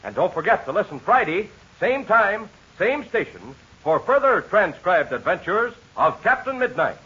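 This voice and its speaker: A man with an American accent announcing in an old 1940s radio style, pitching enthusiastically to young listeners like a salesman. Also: sing-song, normal speed, bright, forceful tone, slightly rough. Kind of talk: old-time 1940s radio announcer, serial outro and ad read. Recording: dull, lo-fi vintage radio transcription.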